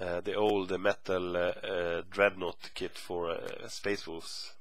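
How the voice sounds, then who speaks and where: A man with a Swedish accent. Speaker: wargaming hobbyist. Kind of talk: casual talk to camera.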